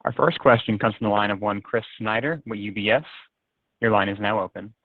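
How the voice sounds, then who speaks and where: Male call operator reading his script fast, lowish voice, dry phone line. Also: no echo. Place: telephone conference line.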